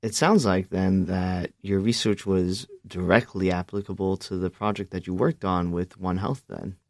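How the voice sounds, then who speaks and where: A man hosts a radio interview and asks his guests questions politely. His voice is low. The studio sound is dry and close. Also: fairly even intonation, normal speed, dry recording. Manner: polite, congratulatory. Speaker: radio host.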